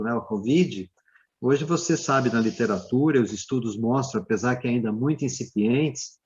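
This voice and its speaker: A man speaking as a dentist guest, explaining slowly with many fillers and tag questions. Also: medium pitch, muffled recording. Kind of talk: live Q&A explanation.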